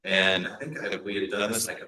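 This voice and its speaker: A male pastor with a Hispanic American accent, giving a relaxed presentation to a church meeting, with frequent fillers and restarts. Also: low-pitched, normal speed. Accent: Hispanic American English. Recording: echoey meeting room.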